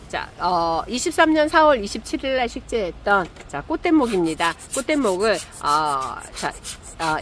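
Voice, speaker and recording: A middle-aged woman chatting casually while repotting succulents, animated and full of fillers. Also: medium pitch, slight background noise. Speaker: succulent grower and seller. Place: outdoor or greenhouse setup, rain in afternoon.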